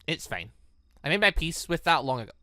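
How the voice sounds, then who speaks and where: A man voicing a subdued, apologetic young female hunter from a visual novel in a quiet, halting delivery. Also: a little high, very animated, no echo, studio quality.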